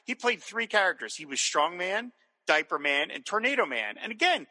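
A man's voice: high-pitched, big pitch swings, normal speed, sharp tone, in a large hall, rough recording. A man chatting casually as a podcast co-host, enthusiastic and rambling, with many restarts. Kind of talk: casual chat reviewing old cartoons.

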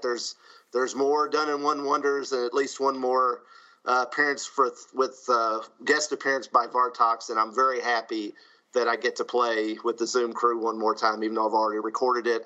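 A man's voice: medium pitch, sharp tone, muffled recording. Chatty man telling a story on a podcast. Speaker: podcast co-host. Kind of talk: casual podcast chat.

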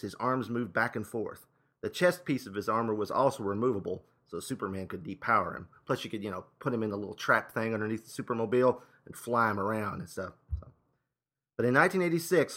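A man's voice: mid-range voice, bright, forceful tone. A man hosting with scripted narration and casual, wry asides. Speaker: host and narrator.

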